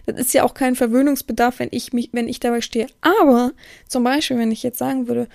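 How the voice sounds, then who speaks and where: A woman's voice: a little high, fairly even intonation, fairly quick, creaky, darkish tone, no echo, clean studio sound. A woman hosting a podcast in a casual, rambling monologue, strict and outspoken, often restarting her sentences. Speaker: podcast host.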